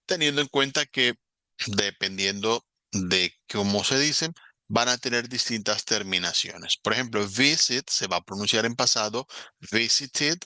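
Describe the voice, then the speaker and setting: Patient man teaching online, low voice with a keen edge, explains step by step. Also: moderate pace, pushed and bright, dry recording. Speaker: English teacher. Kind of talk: recorded online lesson.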